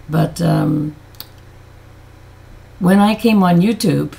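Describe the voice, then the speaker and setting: Lady vlogger w a deep throaty rasp, super fry-heavy, chatty and rambly, pokes fun at herself. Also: darkish tone. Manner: rambling, self-deprecating, affectionate. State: voice changed and can't reach high notes. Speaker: beauty vlogger. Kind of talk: casual chatty vlog.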